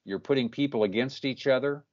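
A man's voice: medium pitch, a little fast. A man hosting a Christian interview, firm and emphatic in casual talk. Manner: firm, emphatic, keeps saying "you know what". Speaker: host, Christian channel. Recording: muffled lo-fi call audio.

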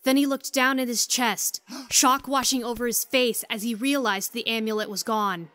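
A woman's voice: fairly high pitch, steady tone, normal speed, bright, forceful tone, no room sound. A woman narrating a scripted story as the narrator of an audio drama.

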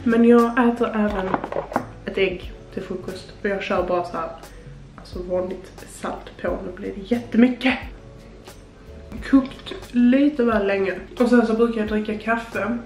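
A woman's voice: mid-range voice, fairly even intonation, over music. A young woman in her twenties chatting casually as she cooks, explaining each step with plenty of fillers. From Sweden. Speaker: vlogger. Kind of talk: casual cooking vlog. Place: small home kitchen indoors. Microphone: camera on the counter a little way off. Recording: echoey kitchen, camera mic from a distance, audible noise.

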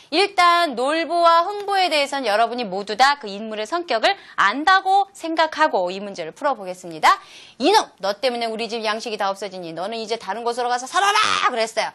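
Woman teacher, lively lecture voice, fairly high pitch, quizzes the kids as she goes. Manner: animated, asks the viewers questions and answers them herself. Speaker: elementary Korean-language teacher. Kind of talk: lecture video for children.

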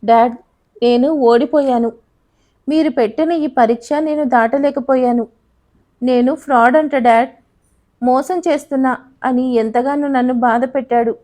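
A woman's voice: high voice, steady tone, measured pace, long pauses. A woman voicing a desperate, defiant young heiress in an audio story, speaking in pleading and indignant tones. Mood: grieving. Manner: pleading, then sharp and indignant.

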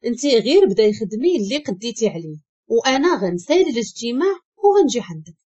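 A charming male colleague, voiced by a woman with a Moroccan accent in a spoken story. He teases and jokes playfully, and the voice stays husky and lively in pitch. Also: fast, dull audio. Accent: Moroccan Arabic. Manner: teasing and playful.

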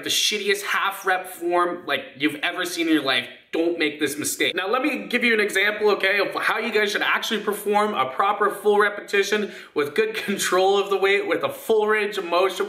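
A man's voice: high-pitched, brisk, few pauses, sharp tone. A young man coaching fitness in a blunt, emphatic, casually sweary vlog style, speaking to camera indoors. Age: young adult. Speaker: fitness coach and video host. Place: indoor rooms at home. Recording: echoey indoor room.

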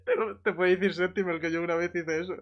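A man's voice: high voice, steady tone, fast talker, highs cut off. A man with an accent from Spain, telling anecdotes to gaming friends in a colloquial, sweary way. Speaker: online roleplay gamer. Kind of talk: casual chat, anecdotes.

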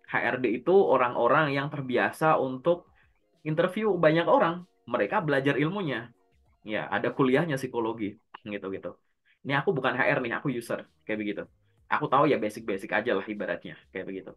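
Male interview coach, mid-range voice, relaxed coaching tone, works through points step by step on a call. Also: mid-range voice, brisk, dull audio, soft background music. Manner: explains step by step, poses and answers his own questions. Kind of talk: casual coaching session.

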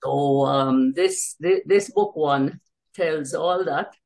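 Older female interview guest, low-pitched with vocal fry, hesitant recollection over a home video call. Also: slow pace, darkish tone. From Jamaica. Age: older, around 70s. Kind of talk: interview recollection of family history. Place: small bright room at home, indoors. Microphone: computer mic on a video call.

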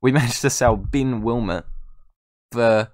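A man casually commentating his own video game session, excitable and self-mocking, talking straight to his viewers. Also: mid-range voice, a little slow, no echo. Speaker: gaming YouTuber. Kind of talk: casual let's-play commentary.

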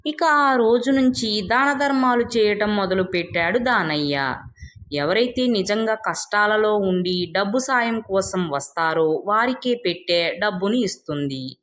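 A woman's voice: medium pitch, unhurried, fairly bright tone. A woman storyteller reading a scripted moral tale as narration.

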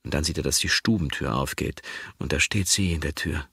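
Male audiobook narrator, very low voice, husky, gravelly, dry close sound, hushed and slow. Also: no room sound. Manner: slow, hushed, dwelling on repetitions.

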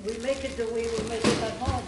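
A woman's voice: fairly high pitch, fairly even intonation, fairly quick, noisy background. A woman who runs a small bakery, chatting in simple, about her breads and pastries. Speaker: bakery owner. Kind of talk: casual chat. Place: small bakery shop, indoors.

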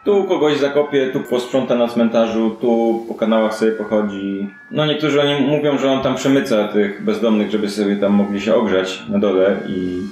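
A man's voice: fairly low pitch, normal speed, hardly any pauses, darkish tone, lightly acted. A man voicing a shrewd, dismissive woman who runs port-side crime in a fantasy tabletop game, talking in an offhand, worldly, slangy way. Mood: gossipy, wry. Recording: echoey room with clear background noise.

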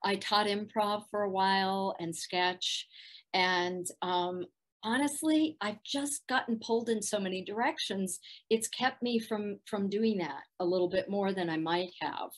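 A middle-aged woman with a soft, soothing voice, chatting as a guest in a video-call interview from a room at home, laughing often. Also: mid-range voice, unhurried. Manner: warm, laughs often, thoughtful. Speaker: voice actress guest.

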